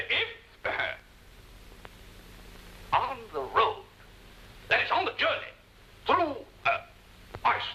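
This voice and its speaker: A pompous, speechifying husband. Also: male voice, very high-pitched, creaky, pushed and bright, a little hiss or hum, full character voice, poor audio. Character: pompous self-satisfied husband, fond of speeches. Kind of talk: 1950s television drama acting.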